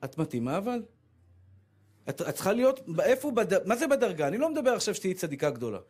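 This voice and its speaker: A man giving a humorous sermon as a rabbi, telling lively stories and acting out the voices of the people in them. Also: high voice, breathy edge. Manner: animated storytelling, acts out voices of women and his wife.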